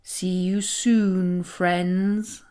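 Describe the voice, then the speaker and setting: Lady doing a creepy silky spider guy, greedy and sly, talks real slow, kids story villain. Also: fairly low pitch, flat delivery, mellow, smooth.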